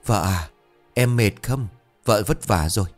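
A man's voice: lowish voice, unhurried, soft background music, close to an everyday voice. A man voicing a panicky, bumbling young husband who blusters when he is flustered, lifting his voice a little above his own in a told ghost story. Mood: sheepish.

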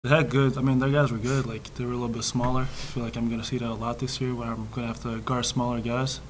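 A man's voice: mid-range voice, little pitch movement, quick pace, a little hiss or hum. A young man in his twenties, a college basketball player at a post-game press conference, talking casually with many fillers like "like". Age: 20s. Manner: casual, lots of "like", upbeat. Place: press room before a sponsor backdrop. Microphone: table mic in front of him.

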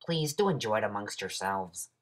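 A man's voice: on the low side, animated, moderate pace, lightly acted. A man voicing a polite lizard shopkeeper with a formal, genteel, salesmanlike manner. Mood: polite, obliging. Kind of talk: character voice audition.

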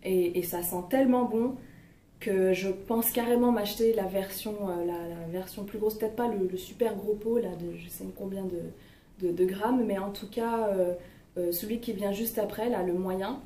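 At normal speed, the young woman speaks with a dark tone, medium pitch, and fairly even intonation. It's a casual, hesitant product chat filled with fillers, recorded at home with a roomy, distant-mic sound and slight noise.

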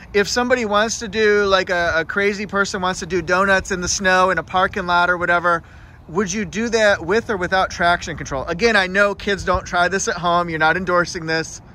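A man's voice: high voice, fairly even intonation, fairly quick, pushed and bright, slight background noise. A man interviewing a mechanic off camera, asking questions in an upbeat, joking way. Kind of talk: dealership video interview.

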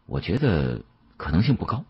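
A man narrating a mystery novel as an audiobook, in an expressive, dramatic first-person storytelling style. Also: low voice, normal speed, breathy edge, muffled recording.

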